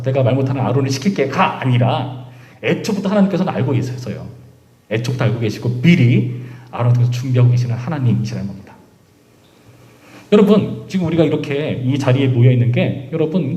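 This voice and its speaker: A man preaching to a church youth group, his tone dark and relaxed. He keeps speaking directly to his listeners and acts out the figures in the passage. The sound is roomy, full of church echo. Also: mid-range voice. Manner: addresses listeners often, acts out voices of God and Moses. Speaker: pastor. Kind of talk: youth service sermon. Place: church sanctuary.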